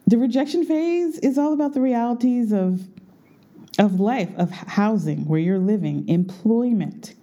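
A woman's voice: mid-range voice, mellow. Sex: woman. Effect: muffled, recorded under a blanket. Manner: chatty, rambling. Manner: chatty, rambling, self-correcting. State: jet-lagged. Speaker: vlogger. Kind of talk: casual chat to viewers. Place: in her bedroom, under a blanket.

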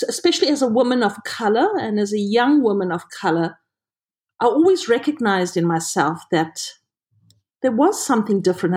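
A middle-aged woman with a South African accent, a podcast guest telling her career story in an earnest, reflective way over a remote call. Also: fairly high pitch. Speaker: guest, HR director. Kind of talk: podcast interview, personal story.

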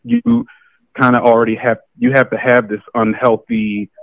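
Gravelly-voiced man on a tinny line. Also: medium pitch, no echo. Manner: measured, explanatory, halting fillers. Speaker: guest. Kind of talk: casual discussion on a call.

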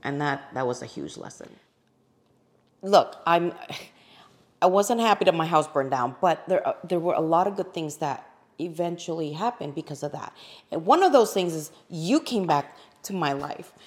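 A woman's voice: sits low, expressive, normal speed. A middle-aged woman, a real estate agent, chatting as a podcast guest. She tells her story animatedly, laughs often and acts out her own past thoughts. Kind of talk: casual interview chat.

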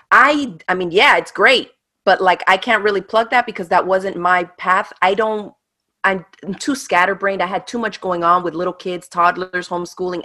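A woman in her thirties, a guest in a casual interview, telling her story in an animated, quick way with laughs. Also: fairly low pitch. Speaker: guest, online craft teacher.

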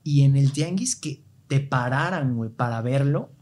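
A man with a Mexican accent telling travel stories in an animated way, heavy with slang, in a casual podcast chat. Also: medium pitch, normal speed.

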